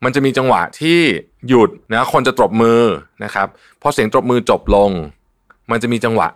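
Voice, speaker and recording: A man's voice: mid-range voice, moderate pace, no echo, studio quality. A man hosting a self-help podcast, talking casually and explaining his points with everyday examples, adding frequent polite particles. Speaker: podcast host.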